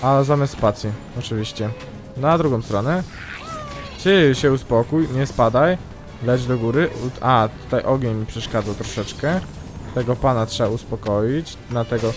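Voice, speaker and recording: A young man commentating his own gameplay, excitable and yelping loudly whenever something goes wrong. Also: mid-range voice. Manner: excitable, yelps and shrieks at mishaps. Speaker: gaming YouTuber. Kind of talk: let's play commentary.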